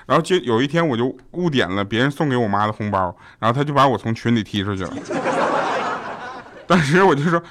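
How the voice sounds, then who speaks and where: A man with a medium-pitched voice hosts an audio show, performing a stand-up comedy monologue. He sets up jokes deadpan, snaps into quick punchlines, and keeps asking the listener "you know?", all over heavy background noise.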